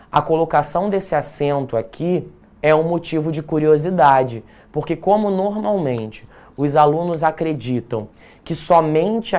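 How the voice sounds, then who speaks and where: A Brazilian man teaches grammar in a live online prep class. He explains patiently and keeps checking that students follow with quick tags like "right?" and "okay?". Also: a little high, a little mellow. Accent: Brazilian Portuguese. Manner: explanatory, frequent check-ins like "certo?" and "tá?".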